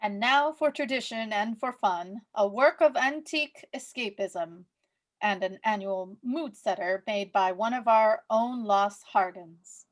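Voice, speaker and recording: A woman's voice: medium pitch, a little slow, close to an everyday voice. A woman at a table read playing a village elder who makes ceremonial announcements.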